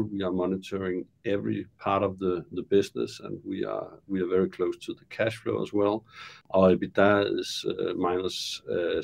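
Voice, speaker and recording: Slow, deep, gravelly man on a video call. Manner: halting, many fillers and repeats. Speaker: company executive. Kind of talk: investor presentation.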